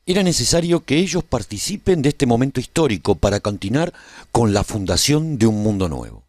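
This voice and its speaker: A man playing a survivor who narrates a post-apocalyptic radio serial in the first person, in a measured, formal storytelling manner. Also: medium pitch, big pitch swings, darkish tone, dry recording. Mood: earnest, reflective. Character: male survivor recounting the rebuilding of a post-apocalyptic world.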